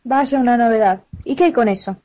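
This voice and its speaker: Young woman acting a high-voiced, bossy Argentine mother. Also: a little fast, mellow, lightly acted. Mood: scornful, scolding. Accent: Argentine (Buenos Aires). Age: teenager or young adult. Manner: bossy, exclamatory. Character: domineering, scolding middle-aged widowed mother, scheming and practical. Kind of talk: amateur school radio play acting. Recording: dull lo-fi home recording.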